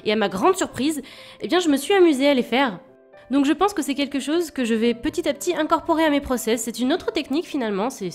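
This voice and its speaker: Stuffy-nosed woman chatting over a speedpaint. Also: sits high. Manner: chatty and hesitant, many fillers and restarts. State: stuffy nose from a cold. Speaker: digital illustrator. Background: faint background music.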